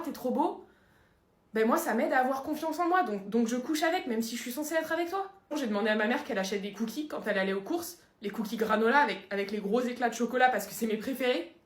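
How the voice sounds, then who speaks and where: A woman's voice: fairly high pitch, expressive, fast, close to an everyday voice. A woman playing a self-pitying young boyfriend who cheated, whiny and self-justifying, in a comedy sketch. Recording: roomy echoey room.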